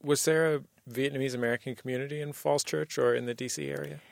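A man hosting a radio interview show, asking calm, curious questions. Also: medium pitch, fast, creaky, no room sound. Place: radio studio.

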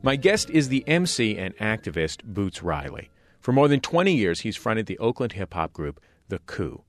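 A man hosting a radio show, reading scripted introductions with a smooth announcer delivery. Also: lowish voice, very animated, moderate pace, faint music behind.

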